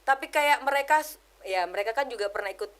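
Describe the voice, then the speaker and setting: Woman pouring out her life story on a podcast, fairly high voice, lively and emotional. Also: fast. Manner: animated storytelling, keeps addressing the host as brother; drops English words into her speech. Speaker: guest giving a testimony. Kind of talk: emotional personal testimony.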